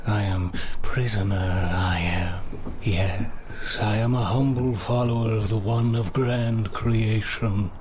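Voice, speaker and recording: A man acts out a zealous, unhinged prisoner from a horror fiction podcast. His lowish voice drags through cryptic, repetitive vows of faith with solemn weight. Clear ambient noise sits behind him. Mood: cryptic, crazed. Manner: halting, repetitive, solemn declarations. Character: crazed devout male prisoner, zealous and cryptic.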